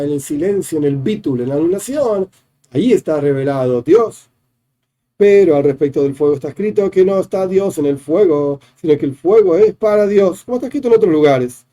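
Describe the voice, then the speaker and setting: A man's voice: fairly high pitch, mellow. A man, a rabbi teaching a Hasidic discourse, explaining each idea step by step with repeated definitions. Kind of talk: explanatory religious class.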